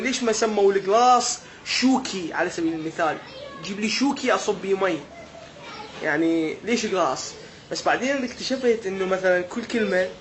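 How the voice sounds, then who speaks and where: Playful Iraqi man with a high voice. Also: fairly bright tone, slight background noise. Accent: Iraqi Arabic. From Iraq. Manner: playful, joking, mock-puzzled. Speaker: vlogger. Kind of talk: comedic vlog monologue.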